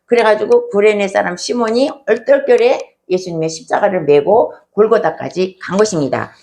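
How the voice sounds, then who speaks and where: A woman's voice: lowish voice, darkish tone. A woman pastor preaching a sermon in a conversational storytelling way, often asking rhetorical questions.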